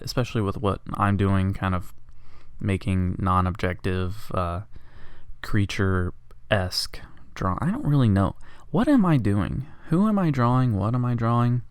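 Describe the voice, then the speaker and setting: A man's voice: deep voice, clean tone, no room sound. A congested man rambling jokily and casually as he narrates his drawing for a vlog at home. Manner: rambling, jokey, self-deprecating. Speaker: art vlogger.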